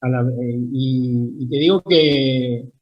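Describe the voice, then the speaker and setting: A man's voice: medium pitch, steady tone, slow, highs cut off. A man with a Rioplatense accent, a guest engineer, telling stories in a casual interview and quoting the people in them. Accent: Rioplatense Spanish. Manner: anecdotal, quotes people as he tells the story.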